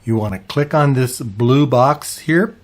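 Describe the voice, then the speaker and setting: A man narrating an instructional walkthrough as a video host, in a measured, explanatory way. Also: medium pitch, a little hiss or hum. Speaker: ham radio video host. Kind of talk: instructional narration, walking through a website.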